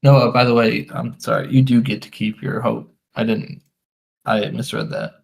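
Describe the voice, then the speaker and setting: Male tabletop player, easygoing and unhurried, gravelly tone. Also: mid-range voice, level tone. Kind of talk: casual table chat.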